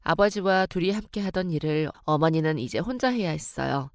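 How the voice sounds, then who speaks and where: A woman narrating a scripted story in a calm, even way. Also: low voice, brisk, no echo, studio quality.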